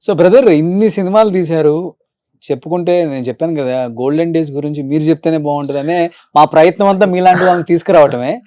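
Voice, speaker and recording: A man's voice: on the high side, fast, mellow, no echo, clean studio sound. A man hosting an interview, prompting his guest with questions and brief replies. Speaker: interview host. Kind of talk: casual interview.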